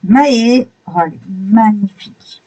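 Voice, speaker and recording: Mellow-voiced woman gushing over pages. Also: mid-range voice, measured pace, husky, highs cut off. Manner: admiring, exclamatory. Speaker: coloring book reviewer. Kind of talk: casual flip-through commentary.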